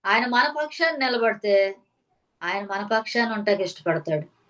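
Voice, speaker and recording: A woman preaching a sermon. She reads scripture and explains it in slow, repeated, rhythmic phrases and puts pointed questions to her listeners. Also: medium pitch, lively intonation, a bit bright, poor audio.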